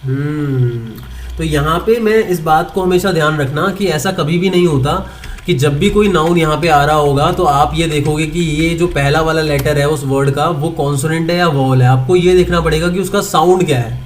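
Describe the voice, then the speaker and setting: A man's voice: fairly high pitch, normal speed, a little hiss or hum. A man teaching English grammar online, asking his students questions and answering them himself. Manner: mixes Hindi with English terms, repeats points.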